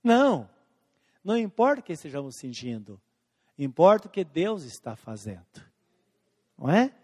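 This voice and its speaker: A man preaching a sermon as pastor, slowing down and stretching out scripture quotes, swinging between emphatic and hushed lines. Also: on the high side, sing-song. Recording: long hall reverb.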